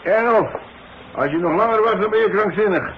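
An actor playing a proud, grumpy old veteran demolition worker, gruff and grudging, in a 1960s radio drama. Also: male voice, sits high, a little fast, natural voice. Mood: bitter. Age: older. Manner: gruff, grudging, hesitant when pressed. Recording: muffled, noisy 1960s radio recording.

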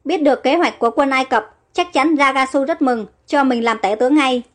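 A woman's voice: high voice, fairly quick, close to an everyday voice. A woman voicing a greedy, scheming male servant who gloats over his plans. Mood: eager. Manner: gloating, then frantic.

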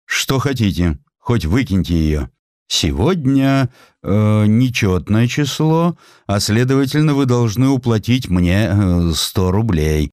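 Man playing a stern, deep-voiced eccentric professor. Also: animated, takes it slowly, darkish tone, no echo, studio quality. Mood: stern, businesslike. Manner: curt, commanding, businesslike. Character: stern, eccentric, brusque old-time medical professor.

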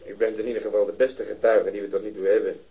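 An actor playing a dry, sarcastic male police detective with a husky voice in a radio drama. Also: lowish voice, flat delivery, fast, narrow, tinny audio. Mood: questioning. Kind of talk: 1970s radio drama acting.

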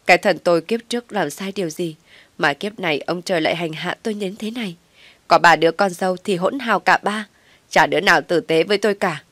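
A woman voicing a scolding, theatrical older mother-in-law who loudly wails and complains. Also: on the low side, no room sound.

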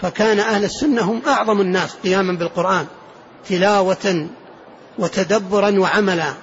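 A sheikh with a rather high voice gives a religious lesson on a classical text. He speaks in a measured way and repeats his main points. The recording is muffled and lo-fi, with a faint hiss underneath. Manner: deliberate, repeats key phrases for emphasis. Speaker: sheikh teaching a creed text.

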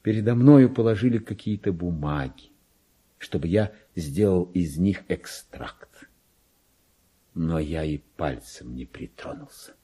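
An actor playing a deluded petty clerk who believes himself a king, in a theatrical radio monologue with a husky, grandiose and erratic delivery. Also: heavily acted. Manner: grandiose, erratic, swinging from hushed confiding to shrill outbursts.

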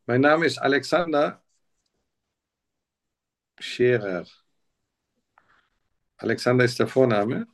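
Man, gravelly voice, mid pitch, role-playing a patient, hesitant speech. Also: expressive, slow pace, pauses often. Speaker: simulated patient. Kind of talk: role-played doctor-patient practice talk.

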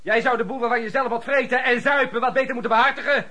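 An actor playing a proud, indignant young merchant lodger in a radio drama, scolding heatedly. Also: male voice, extremely high pitch, steady tone, quick pace, bright, forceful tone, full character voice. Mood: furious. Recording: noisy old radio play recording.

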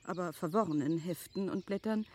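An actress playing a thoughtful, cautious middle-aged wife in a literary radio play, speaking formally in a measured, articulate way. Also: female voice, fairly low pitch, darkish tone, lightly acted. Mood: gently objecting. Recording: faint outdoor background noise, birdsong. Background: birdsong, outdoor ambience.

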